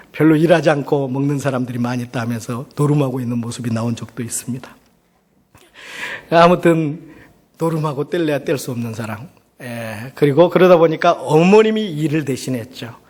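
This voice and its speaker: A middle-aged man, a pastor, giving a sermon as personal storytelling in a conversational way, often putting rhetorical questions. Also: mid-range voice. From South Korea. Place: large church hall. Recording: reverberant hall sound.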